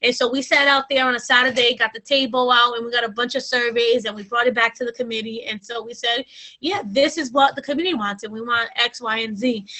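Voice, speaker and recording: Talking very fast with hardly any pauses, a woman uses a high pitch and fairly even intonation, her loudness swinging widely. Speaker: community organizer. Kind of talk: panel discussion.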